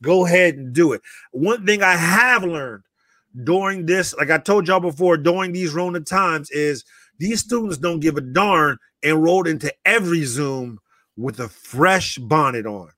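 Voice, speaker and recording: A man co-hosting a casual podcast, animated and joking, with loud bursts of laughter. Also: on the high side, a little slow, no echo, studio quality. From northern US. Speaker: co-host.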